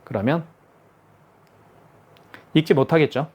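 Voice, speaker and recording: A man's voice: on the high side, takes it slowly, a little mellow, slight background noise. A man giving a hands-on product tutorial, explaining each step patiently and repeating himself for clarity. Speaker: product demonstrator.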